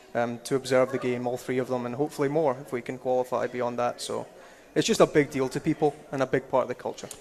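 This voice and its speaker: A man with a Scottish accent talks at a very fast pace. His intonation is monotone and flat. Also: medium pitch for a man. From Scotland, Paisley near Glasgow. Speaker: youth soccer director and coach. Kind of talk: live radio interview. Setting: live show at a brewery with audience.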